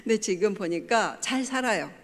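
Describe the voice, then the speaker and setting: A woman's voice: medium pitch, lively intonation, moderate pace. A middle-aged woman, a pastor's wife, gives a family talk at church, telling personal stories and acting out what her family said. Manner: storytelling, acting out family quotes. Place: church sanctuary. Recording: long church hall reverb.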